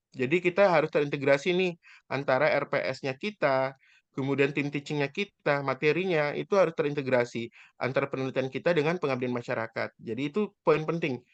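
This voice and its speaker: A man in his thirties giving an informal guest lecture about his own experience, earnest and hesitant, with drawn-out fillers and polite address to his listeners. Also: a little high, no echo, highs cut off. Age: 30s.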